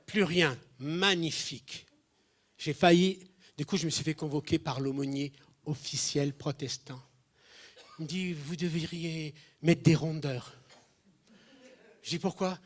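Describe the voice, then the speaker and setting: Lively storytelling man preaching. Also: on the high side, slow, long pauses. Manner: animated, acts out quoted voices, jumps in loudness. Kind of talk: humorous sermon storytelling.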